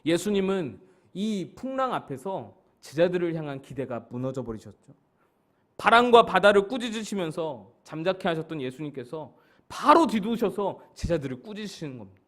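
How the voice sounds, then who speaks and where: A male pastor explaining scripture at a church Bible study, with a fairly high voice. His pitch swings widely as he presses key points, and he returns often to a patient, explanatory tone. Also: sing-song, normal speed, a bit bright. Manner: explanatory, rising emphatically on key words.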